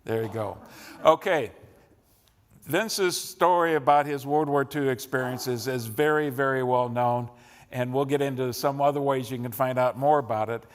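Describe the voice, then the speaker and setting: A man with an American accent and a medium-pitched voice, speaking at a normal pace, hosts an interview and introduces his guest in semi-formal, unscripted speech. The recording sits in an echoey hall with long reverb.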